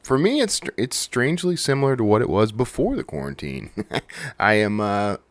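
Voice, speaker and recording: A man's voice: lowish voice, very animated, normal speed, dry recording. A man hosting a podcast, chatting casually and solo in a rambling, conversational way that often doubles back on itself. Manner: rambling, conversational, self-interrupting. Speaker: podcast host.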